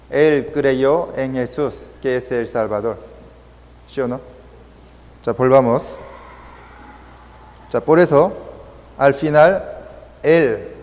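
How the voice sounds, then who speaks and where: A man's voice: medium pitch, darkish tone. A man teaching a Bible study lesson, repeating points and checking his listeners with questions. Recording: long hall reverb.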